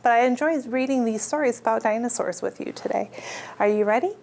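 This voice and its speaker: This librarian's voice sits a little high and moves fairly quickly, creaky yet slightly mellow. She leads storytime for children, reading picture books out loud in plain, kid-friendly words and questioning her small audience.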